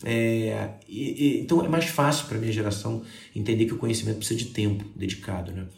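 A man talks at a fairly quick pace, with audible room echo and noticeable background noise in the recording. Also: medium pitch for a man, ordinary pitch variation. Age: 40s. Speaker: motivational speaker and author. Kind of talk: casual interview.

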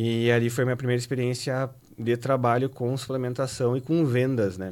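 A man is speaking at a medium pitch. He has an ordinary speaking voice. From Rio Grande do Sul, Brazil (Alegrete). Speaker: fitness professional, supplement business owner. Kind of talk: casual interview chat.

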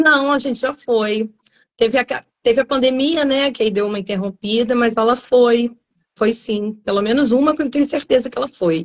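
With ordinary pitch variation, this voice keeps a moderate pace. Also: woman, high pitch for a woman. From Rio de Janeiro, Tijuca. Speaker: children's book author. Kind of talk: interview. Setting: video call.

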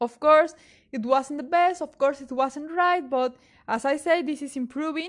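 Lively intonation from a woman, on a very clean recording with a silent background. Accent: Spanish. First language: Spanish. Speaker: wellness podcast host. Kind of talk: solo podcast talk. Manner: halting.

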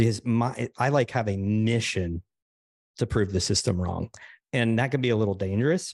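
A man at medium pitch with ordinary pitch variation and a moderate pace, dry and close with no echo, over a quiet background. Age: 50s. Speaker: entrepreneur and former teacher. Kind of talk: podcast interview.

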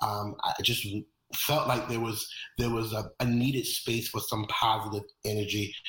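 The man's tone is bright and sharp. He keeps a moderate pace with monotone, flat intonation. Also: medium pitch for a man. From Brooklyn, New York. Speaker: podcast host and company founder. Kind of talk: solo podcast introduction. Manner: hesitant with fillers.

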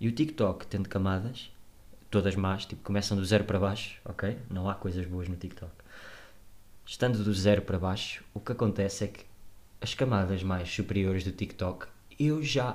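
Soft-spoken, a man with a European Portuguese accent talks at a moderate pace in a fairly low pitch, with ordinary pitch variation and long, frequent pauses. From Portugal, Leiria area. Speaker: podcaster. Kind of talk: casual solo monologue. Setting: at home. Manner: animated.

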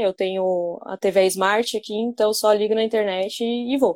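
This woman's voice sits fairly high. Her delivery keeps a fairly even intonation. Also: dry, close sound with no echo. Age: 20s. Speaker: podcast host. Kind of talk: casual chat. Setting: online live stream from home.

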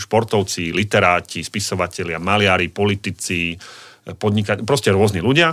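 In an ordinary speaking voice, a man of fairly low pitch talks at a moderate pace with ordinary pitch variation. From Slovakia, small town. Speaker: actor, hospital clown and library director. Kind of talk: casual interview.

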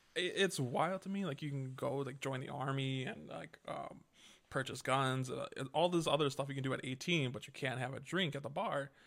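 A man with a Midwestern American accent and ordinary pitch variation, on a very clean recording with a silent background. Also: fairly high pitch for a man, moderate pace. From Indiana, US. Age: 20s. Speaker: movie podcaster. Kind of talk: casual interview chat.

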